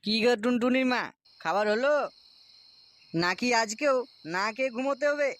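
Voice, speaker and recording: A woman's voice: fairly high pitch, moderate pace, noisy background, close to an everyday voice. A woman voicing a blunt, bickering, boozy middle-aged husband in a comic cartoon, full of slang. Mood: grumbling, irritated. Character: grumbling pot-bellied boozy husband, middle-aged, teasing.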